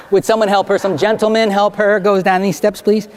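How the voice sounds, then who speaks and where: High-voiced male stage hypnotist. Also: flat delivery, brisk. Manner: rhythmic, repetitive hypnotic commands. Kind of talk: live stage hypnosis show. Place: theater stage before an audience. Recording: live show with audience and noise.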